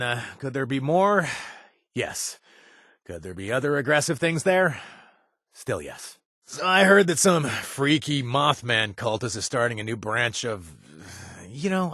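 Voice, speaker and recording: Game companion, male, young adult, wisecracking mercenary, animated delivery, dry studio read. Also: medium pitch, measured pace, dry recording. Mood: casual. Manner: casual, joking, with filler "uh"s. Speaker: quest-giving companion. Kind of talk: video game voice acting. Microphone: dry studio recording.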